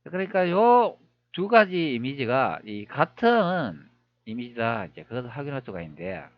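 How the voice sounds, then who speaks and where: A man's voice: mid-range voice, highs cut off. A man talking viewers through old images on screen, wondering aloud with many rhetorical questions. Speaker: history video creator. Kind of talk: screen-recorded commentary.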